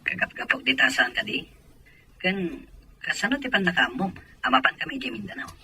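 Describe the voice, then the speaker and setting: A man's voice: high-pitched, very animated, a little fast, creaky, bright, forceful tone, exaggerated voice, rough recording. A man with a Filipino accent acting an evasive philandering soldier in an audio drama. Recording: some background noise.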